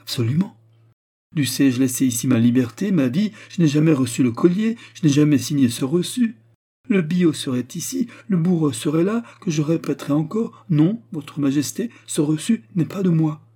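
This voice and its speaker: A man's voice: on the low side, moderate pace, warm tone, husky. A man voicing a frightened jeweller in a storybook, deferential yet desperate in his protests. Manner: deferential, agitated, pleading protest. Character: flustered, frightened male jeweller, respectful and desperate.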